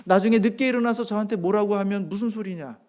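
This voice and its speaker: A middle-aged male pastor giving a sermon, swelling loud on key phrases and then dropping soft, with homely family stories along the way. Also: high voice, fast talker. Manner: tells a homely family story with acted-out quotes.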